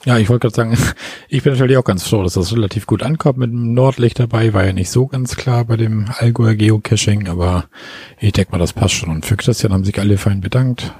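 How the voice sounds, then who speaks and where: A man from Germany, co-hosting a casual podcast in a relaxed, agreeable way. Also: on the low side, quick pace, breathy edge, no echo. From northern Germany. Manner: relaxed, agreeable, says "ne?" and "Ja" often. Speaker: podcast co-host.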